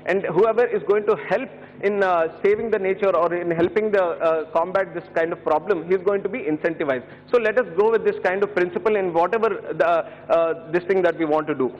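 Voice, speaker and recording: A man's voice: high voice, fairly quick. A man in his thirties with an Indian English accent gives an earnest speech in a large parliament chamber into a desk microphone, often hesitating and addressing the chair as "sir". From Andhra Pradesh, India. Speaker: member of parliament. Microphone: fixed desk microphone. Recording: reverberant chamber, dull broadcast audio.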